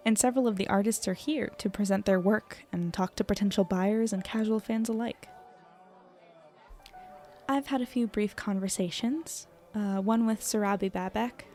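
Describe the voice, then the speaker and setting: A woman voices an earnest young podcaster in an audio drama, self-deprecating, chatty and descriptive as she recounts her evening. Her mid-range voice has a warm tone and sounds close to how someone talks every day.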